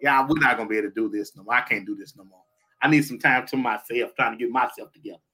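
A man's voice: medium pitch, fast, sharp tone. A man in his fifties co-hosting a casual chat show, talking emphatically and repeating his points like a sermon. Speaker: podcast co-host.

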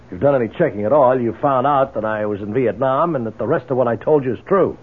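A male actor as a tough-talking American detective in a seventies radio play. The voice is medium-pitched and slightly rough, pushing its points bluntly, through a tinny, muffled broadcast recording. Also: fast talker, close to an everyday voice. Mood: guarded, defiant. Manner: blunt, assertive, slangy. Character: brash, blunt male private investigator and Vietnam veteran. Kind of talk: 1970s American radio drama acting.

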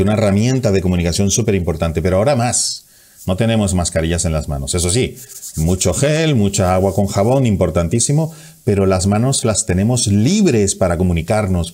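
A man with a fairly low, mellow voice gives communication tips straight to camera. He talks with energy, acting out examples and crisply stressing his consonants. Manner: energetic, acts out examples with hands; stresses consonants, slows down to demonstrate. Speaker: communication coach.

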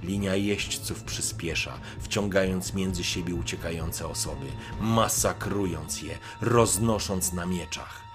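Slow, brooding male storyteller. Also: low voice, fairly even intonation, music in the background. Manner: slow, brooding, measured delivery. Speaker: narrator. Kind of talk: second-person dramatic story narration.

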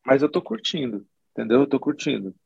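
A man's voice: mid-range voice, fairly quick, creaky, dull audio. A man, a musician guest, talking casually in an interview, loose and rambling with lots of slang. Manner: relaxed, rambling, full of slang and restarts.

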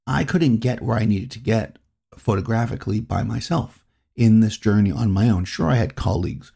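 With a fairly low, warm, slightly rough voice and some vocal fry, a middle-aged man from New England hosts a solo podcast at a normal speed. His reflective talk meanders and circles back on itself.

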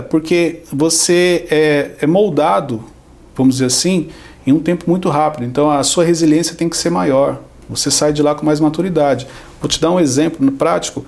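Brazilian man, podcast guest, gravelly and brisk, teaches through acted-out quotes. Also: fairly high pitch, darkish tone. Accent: Brazilian Portuguese. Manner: explains with everyday examples and acted-out quotes. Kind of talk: conversational teaching.

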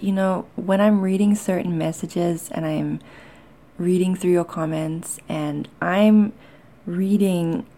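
A woman's voice: on the low side, creaky, darkish tone. A woman with a mixed South African and Canadian accent, talking candidly and conversationally to listeners as a podcast host, hesitating as she goes. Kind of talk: personal confessional talk to listeners.

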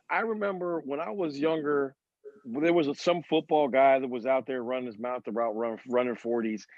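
A man with a slightly high voice talks sports in a casual panel style. He explains emphatically and keeps checking that listeners follow. The recording is dry and a little muffled. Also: no echo. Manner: emphatic, explanatory, uses rhetorical check-ins. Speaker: former sprinter and decathlete on a sports talk panel. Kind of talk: casual panel chat, storytelling and arguing.

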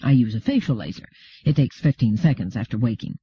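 Here is a man acting a brash male settler trader for an audiobook, cheeky and self-assured. He talks informally and briefly, in a husky voice. The sound is slightly dull. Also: medium pitch, animated, brisk, voice pushed down. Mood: laconic. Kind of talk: audiobook character dialogue.

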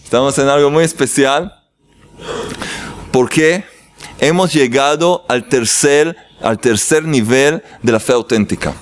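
A man teaching a religious lesson, mixing jokes into an animated talk and lifting his voice when acting out prayers. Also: measured pace, a little hiss or hum. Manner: animated, swoops in pitch when quoting prayers. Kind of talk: lively faith lesson with jokes.

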